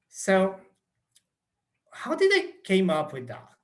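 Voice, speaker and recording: Lively intonation in a somewhat breathy male voice. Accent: Brazilian. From Brazil. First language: Portuguese. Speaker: university lecturer. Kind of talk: conference talk. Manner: talkative, halting.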